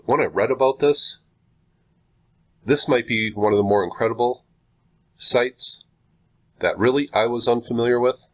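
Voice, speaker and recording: A man with a stuffed-up, congested voice, hosting a video in casual commentary with slow, halting phrasing and frequent pauses. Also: medium pitch. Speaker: video host. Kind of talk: casual commentary, reading aloud from a website.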